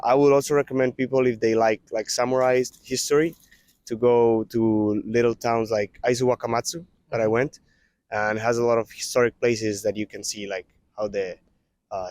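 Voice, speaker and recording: A man answering interview questions casually, often pausing with fillers. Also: on the low side, a little mellow, no echo. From Colombia. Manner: hesitant, many fillers.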